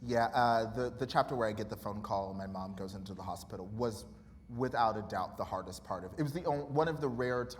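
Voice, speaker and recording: A man's voice: lowish voice, fast talker. A man in his thirties, an author guest in a live interview, talking candidly and animatedly, laughing often and acting out remembered conversations. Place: college auditorium. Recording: reverberant hall with faint noise.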